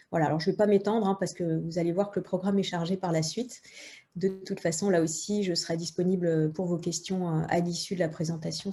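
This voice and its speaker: A woman speaks at a fairly quick pace in a monotone, flat intonation. Her fairly low voice is somewhat breathy, with a dark, mellow tone. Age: 40s. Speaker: naturopath. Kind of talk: webinar presentation. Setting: online webinar. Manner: hesitant, many filler words.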